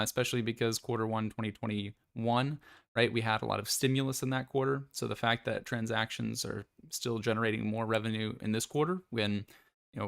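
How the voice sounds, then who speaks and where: A man's voice: mid-range voice, vocal fry. A man giving casual, off-the-cuff commentary on a company's earnings report, thinking aloud with plenty of fillers. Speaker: stock commentator.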